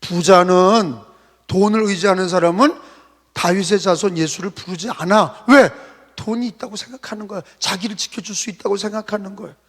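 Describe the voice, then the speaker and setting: A male pastor preaching a sermon in a church, emphatic, firing off rhetorical questions and bursting out loud. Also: sits high, moderate pace. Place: church sanctuary. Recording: long hall reverb.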